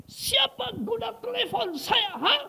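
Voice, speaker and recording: A preacher playing a furious shouting businessman. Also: very high-pitched, sing-song, slow, gravelly, pitched above the performer's own voice, full character voice. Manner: furious barking accusations. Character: angry rich businessman, middle-aged man, shouting. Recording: long hall reverb.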